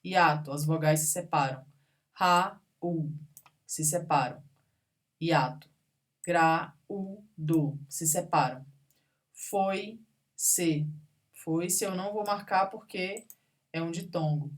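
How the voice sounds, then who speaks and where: A woman's voice: low-pitched, a little slow. A woman teaching a grammar lesson, patiently going through examples one word at a time and checking in with her students. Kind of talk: recorded classroom grammar lesson.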